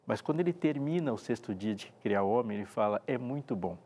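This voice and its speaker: A man's voice: on the low side, animated, fast talker, a little mellow. A man from Brazil, a pastor and TV presenter, talking on a devotional talk show and acting out quoted dialogue expressively.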